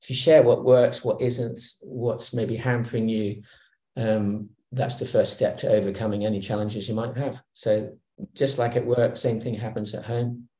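A middle-aged man from Hong Kong, a guest on a video call interview, speaking in a relaxed, reflective way with many fillers and restarts. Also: on the low side, moderate pace. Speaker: guest executive. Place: home room. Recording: roomy video call audio.

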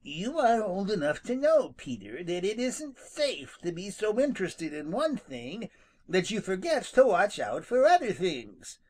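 A storybook narrator voicing a sly, good-natured male skunk who teases in a slow drawl. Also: mid-range voice, big pitch swings, a little mellow, pitched above the performer's own voice. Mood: teasing.

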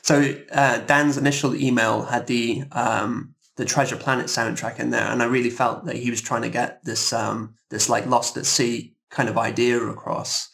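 A man's voice: mid-range voice, gravelly, fairly bright tone. A man from the UK chatting casually as a composer guest, hesitant and often repeating words. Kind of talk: casual interview chat.

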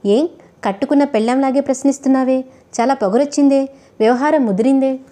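A woman voicing an evasive, short-tempered wealthy husband who talks smoothly and then snaps. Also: on the high side, fairly quick, dark tone, lightly acted. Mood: angry.

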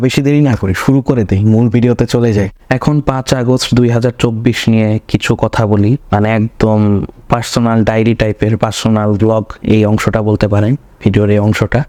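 A young man with a voice slightly hoarse from a cold, talking through his thoughts in a rambling home vlog and often correcting himself. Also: fairly low pitch, a little mellow, dry recording. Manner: rambling, self-correcting, searching for words. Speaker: vlogger. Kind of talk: casual personal vlog commentary. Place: home room.

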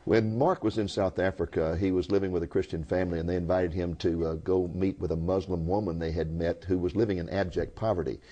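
A man's voice: low-pitched, steady tone, a little fast, few pauses, mellow, muffled recording. A man hosting a religious TV interview, telling stories emphatically and addressing the viewers as folks. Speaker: TV program host.

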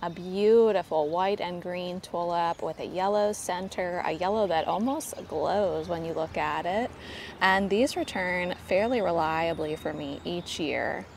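A woman's voice: lowish voice, measured pace, a little hiss or hum. A middle-aged American woman gardening vlogger, chatting directly to viewers as she shows plants in a casual tour style. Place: home garden outdoors and inside the house.

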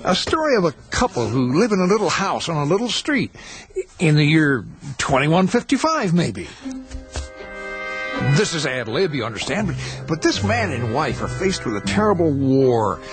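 A scheming, charming film director. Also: male voice, a little high, sing-song, normal speed. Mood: ingratiating. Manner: boisterous, ingratiating host turning menacing. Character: smooth scheming male film director, a time searcher. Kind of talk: 1980s radio drama acting. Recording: radio play with music behind.

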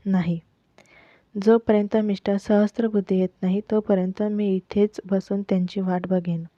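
A woman's voice: medium pitch, little pitch movement, moderate pace, no echo, natural voice. A woman voicing a young pregnant wife who presses everyone with pleading, insistent questions about her missing husband. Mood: stubborn. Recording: dull lo-fi, dry close mic.

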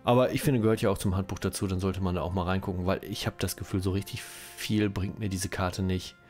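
A German-speaking man with a cold talks through a strategy game at his computer in a loose, rambling way, often correcting himself mid-sentence. His voice sits somewhat low, and faint music plays quietly underneath. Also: fairly even intonation, fast. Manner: rambling, self-correcting, chatty. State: has a cold, coughing. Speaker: let's-play host. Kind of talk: casual game commentary.

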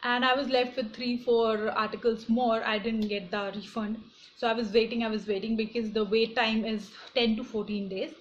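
High-voiced young Indian-accented woman vlogger. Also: little pitch movement, normal speed. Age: young adult. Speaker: online shopping vlogger. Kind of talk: casual explanatory vlog talk to viewers. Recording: dull lo-fi phone audio, clear background noise.

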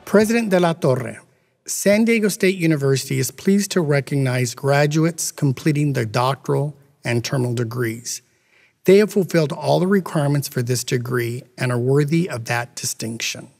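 A middle-aged man presenting graduates at a university ceremony in a measured, formal way, speaking at a podium on stage. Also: medium pitch, creaky, a little mellow. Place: stage with podium and red curtains. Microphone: podium mic. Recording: long hall reverb.

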